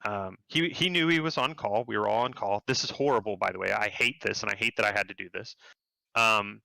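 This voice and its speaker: A man, a game developer, telling work stories in a casual interview, animated and jumping up in pitch when he quotes people. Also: brisk, vocal fry, no echo, rough recording. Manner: animated, acts out quotes in a higher voice.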